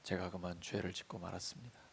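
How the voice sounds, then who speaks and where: A man preaching a sermon as pastor in a church, swinging between loud emphatic lines and soft confiding storytelling. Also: sits low, fairly even intonation, fast talker, vocal fry, slight background noise. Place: church sanctuary.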